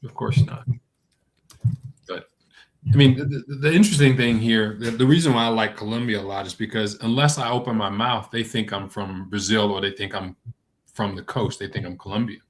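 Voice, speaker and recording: A lowish-voiced man with a Russian accent hosts a casual conversation. He thinks aloud as he talks, pausing and restarting his sentences. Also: steady tone. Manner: thoughtful, hesitant, many restarts. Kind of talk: casual video-call chat.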